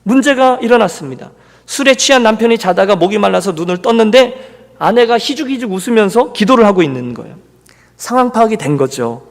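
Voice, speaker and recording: A man's voice: high-pitched, animated, brisk. A male pastor giving a Sunday sermon, telling a story and voicing the people in it. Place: church sanctuary. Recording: long reverb of a church hall.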